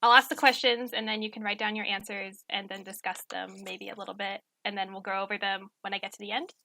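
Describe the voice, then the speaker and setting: Bright, creaky-voiced woman quizmaster. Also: medium pitch, level tone, fast talker, a little hiss or hum. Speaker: story editor acting as trivia quizmaster. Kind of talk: casual, unscripted quiz hosting. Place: indoors on an online video call.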